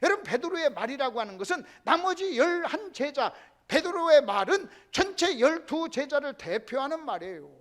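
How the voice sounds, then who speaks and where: A male pastor preaching a sermon lecture, emphatic, keeps calling out to the congregation, and sometimes drops to a hushed whisper. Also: extremely high pitch, very animated, moderate pace, hardly any pauses.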